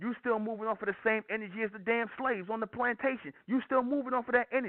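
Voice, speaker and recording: Loud and animated, a man talks at a very fast pace with a high pitch. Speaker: religious movement leader. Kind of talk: sermon. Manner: loud, raised voice.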